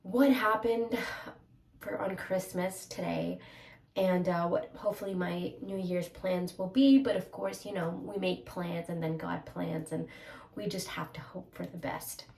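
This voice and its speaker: A woman's voice: lowish voice, fairly even intonation, measured pace, creaky, darkish tone, recorded from a distance. Congested woman vlogging in a roomy echo. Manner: candid, hesitant, with many fillers. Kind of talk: personal vlog.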